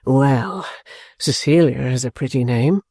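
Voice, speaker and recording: Male reader playing an impatient young lover in a storybook, eager, warm dark tone. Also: mid-range voice, no echo, studio quality. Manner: eager, rapid questioning.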